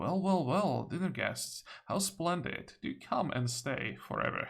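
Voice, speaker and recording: Someone speaks in a croaky, put-on character voice. The pace is fairly slow. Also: man, high pitch for a man. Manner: sinister, sweetly menacing.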